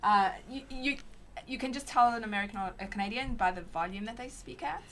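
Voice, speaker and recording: A woman's voice: fairly high pitch, fairly quick, a bit bright, slight background noise. A woman from Africa, giving frank, teasing opinions as a podcast guest, with fillers. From South Africa. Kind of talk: casual panel chat.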